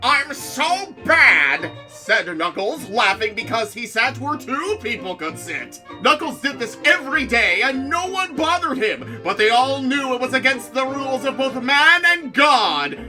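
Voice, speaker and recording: Female narrator for comedic story reading; expressive, theatrical, casual, with music playing behind. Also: high voice, normal speed, few pauses. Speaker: narrator of a group fan fiction reading.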